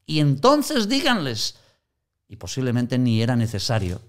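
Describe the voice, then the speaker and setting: A man's voice: mid-range voice, normal speed. A man in conversational teaching on Christian mission, telling anecdotes and acting out quoted voices. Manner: animated storyteller, acts out quoted voices.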